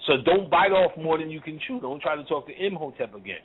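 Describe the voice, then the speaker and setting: A man's voice: fairly high pitch, quick pace. A man giving a casual spiritual talk to a caller, blunt and profane, in street slang, laughing often. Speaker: spiritual teacher. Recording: tinny phone-like audio.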